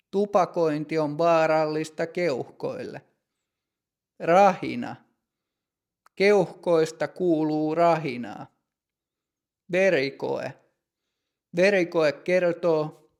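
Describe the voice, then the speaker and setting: A man narrating a simple story for language learners, reading slowly, clearly and deliberately. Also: on the high side.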